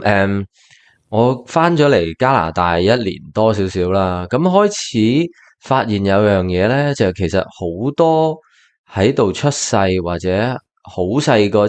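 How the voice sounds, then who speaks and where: Low-voiced man hosting a bilingual podcast. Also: darkish tone. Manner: mixes Cantonese and English, halting with many fillers. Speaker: podcast host. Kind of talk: casual bilingual podcast chat.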